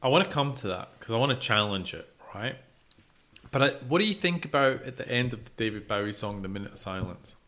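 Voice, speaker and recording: A man's voice: mid-range voice, expressive, fairly quick, sharp tone. A man co-hosting a music podcast, talking casually and emphatically with plenty of swearing and repeating himself for stress. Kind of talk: casual opinionated music discussion.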